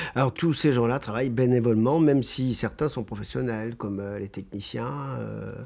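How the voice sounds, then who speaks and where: In a normal speaking voice, a man talks at a medium pitch and moderate pace with ordinary pitch variation. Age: 60s. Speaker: amateur theatre director. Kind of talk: documentary interview.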